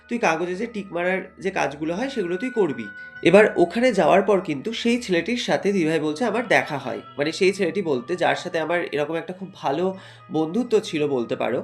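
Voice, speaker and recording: Brief: male horror-channel narrator, high and fast, casual filler-heavy retelling over faint music. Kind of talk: retelling a listener's true ghost story. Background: faint background music.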